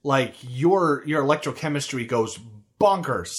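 With a medium pitch and lively intonation, an American man speaks at an unhurried pace. He co-hosts a podcast about a video game, and his casual talk rambles with many restarts and fillers.

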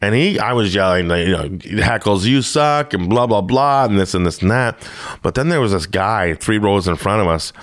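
A comedian from Ontario hosting a casual podcast chat, telling animated stories and acting out quotes. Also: male voice, fairly low pitch, moderate pace, dry recording, clean studio sound. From Ontario, Canada. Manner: animated storyteller, acts out quotes.

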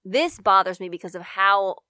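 A woman with a medium-pitched voice co-hosts a casual pop culture podcast. She talks emphatically, with mock indignation. The recording is dry, with very little room sound. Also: lively intonation, moderate pace, bright, forceful tone, clear, resonant tone, no room sound. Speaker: podcast co-host.

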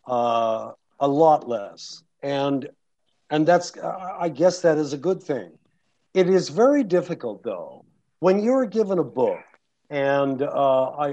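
A man's voice: mid-range voice, warm tone. A man, an audiobook narrator, answering audience questions in a thoughtful way, often stopping and restarting his sentences. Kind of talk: panel Q&A answers. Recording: muffled lo-fi recording.

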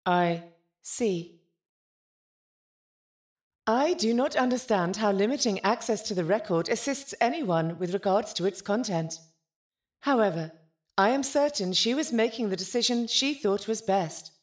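A woman playing a ship's AI in an audio drama, formal, literal and gently concerned, with precise, stilted wording. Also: mid-range voice, lively intonation, a little slow, long pauses, lightly acted. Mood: flat, puzzled.

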